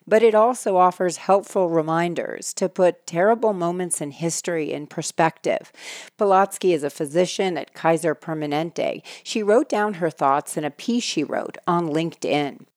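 An American woman presents a public radio program in a somewhat low voice. She delivers scripted lines and interview questions in a dry studio sound. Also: a little mellow, no echo. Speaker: radio host.

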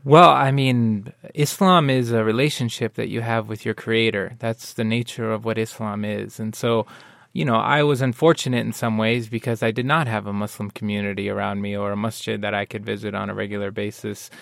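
Gravelly wyoming guy explaining things slowly and earnestly on a panel, dry mic. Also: fairly low pitch, fairly even intonation, fairly bright tone, no echo. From Wyoming, USA. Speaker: guest. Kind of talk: panel discussion.

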